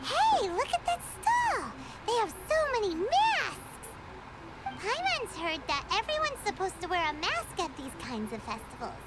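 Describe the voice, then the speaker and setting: Tiny floating girl sidekick, very high and bouncy, eager, third-person speech, game music behind. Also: huge pitch swings, measured pace, full character voice, rough recording. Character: tiny chirpy floating girl companion, excitable. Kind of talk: video game voice acting. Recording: game audio with background music.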